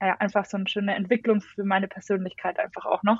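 A woman talks at a fairly quick pace in a medium pitch. Her intonation stays monotone and flat. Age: 30s. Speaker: physiotherapist and yoga teacher sharing birth story. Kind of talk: interview.

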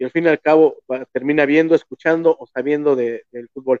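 Delivery comes at a fairly quick pace. The speaker has a Mexican accent. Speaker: podcast co-host. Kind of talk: casual chat. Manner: animated.

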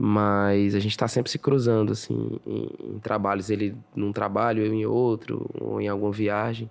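A man's fairly low, monotone, flat delivery at a moderate pace, with hardly any pauses. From Fortaleza, Ceará, northeast Brazil. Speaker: singer and songwriter. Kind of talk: interview.

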